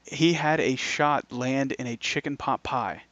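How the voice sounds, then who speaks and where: A man's voice: medium pitch, unhurried, dry recording, dull audio. A man on a casual podcast chat, telling stories with lots of swearing. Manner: swears a lot, animated storytelling. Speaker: podcast co-host.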